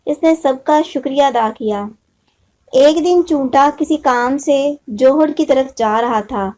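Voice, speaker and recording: A woman narrates a children's moral tale as a storyteller. Her voice is high-pitched and mellow, reading from a script. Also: measured pace.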